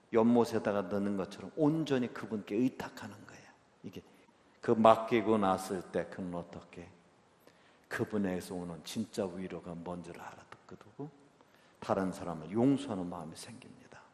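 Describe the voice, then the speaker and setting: A man, a Catholic priest, giving a catechism retreat talk, moving between hushed near-whispers and loud, emotional storytelling. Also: fairly low pitch. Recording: echoey hall with long reverb.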